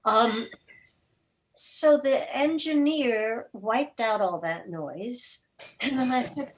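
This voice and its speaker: A woman's voice: fairly high pitch, takes it slowly, slight background noise, poor audio. Woman giving informal interview answers. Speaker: radio drama and podcast producer, guest.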